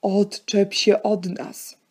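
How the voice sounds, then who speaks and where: A woman's voice: mid-range voice, little pitch movement, drawn-out words, darkish tone, husky. A woman voicing a pushy, scornful young boy in a children's story. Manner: insistent, scornful.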